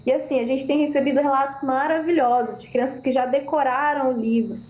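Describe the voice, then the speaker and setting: A high-pitched woman chats as a guest author, animated and full of stories. Her voice reaches the call from an echoey room and carries the hollow ring of its walls. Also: a little fast. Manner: animated storytelling. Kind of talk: casual chat. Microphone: video call.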